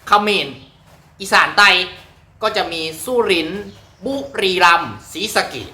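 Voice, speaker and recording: A man's voice: high voice, unhurried, sharp tone, reverberant. A man from Nakhon Phanom with an Isan accent, a mor lam comedian and channel host, chatting playfully and teasing himself while he demonstrates regional dialects. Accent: Isan (Northeastern Thai). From Nakhon Phanom, Northeast Thailand.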